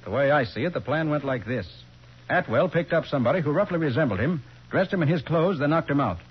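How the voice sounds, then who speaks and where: A sharp, confident American detective in an old radio crime drama. He talks briskly and assertively with animated swings of pitch. The recording is dull and dated. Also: husky. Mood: confident, accusing. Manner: assertive, explanatory, accusing.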